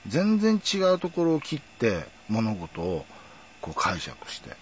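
Middle-aged Kansai man, low voice with a very lively pitch, rambling chatty monologue, muffled lo-fi audio. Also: unhurried, slight background noise. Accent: Kansai Japanese. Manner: rambling, reminiscing, chuckling asides. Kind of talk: casual monologue. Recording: dull lo-fi recording.

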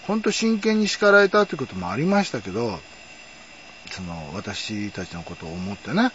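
A man's voice: fairly low pitch, expressive, moderate pace, fairly bright tone, muffled recording, a little hiss or hum. A man, hosting a casual, rambling monologue full of fillers. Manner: rambling, nostalgic storytelling with many fillers. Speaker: podcast host.

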